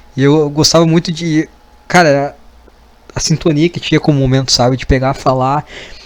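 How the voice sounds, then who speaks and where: Speaking at a fairly quick pace, this man has a fairly high pitch. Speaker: podcaster. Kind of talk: casual solo monologue. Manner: fast; swallows words, not very clear.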